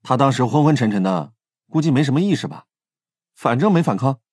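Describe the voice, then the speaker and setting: An actor playing a teasing, confident young police team leader in an audio drama. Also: male voice, mid-range voice, expressive, a little fast, a little mellow, slightly rough, no room sound, clean studio sound. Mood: brisk, commanding. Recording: faint music under the voice.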